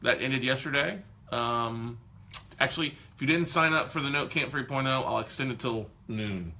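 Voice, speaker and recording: Bright-voiced energetic male host. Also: mid-range voice, normal speed. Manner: energetic, motivational, loud. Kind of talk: casual live-stream chat.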